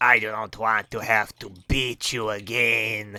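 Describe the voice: A man puts on a growling character voice at a medium pitch. He speaks fairly slowly in a monotone, flat intonation.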